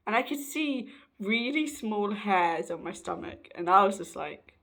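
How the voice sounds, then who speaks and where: A young trans man, rambling casually in a personal vlog, often correcting himself and laughing, his voice slightly raspy and hoarse. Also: high voice, animated, measured pace, fairly bright tone. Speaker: vlogger.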